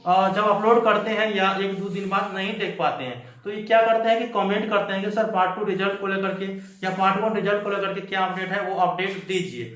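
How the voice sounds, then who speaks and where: Guy hosting student updates, pretty high voice, echoey room, keeps stressing his points. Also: fairly bright tone. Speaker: host of a student news channel. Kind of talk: explanatory update to viewers.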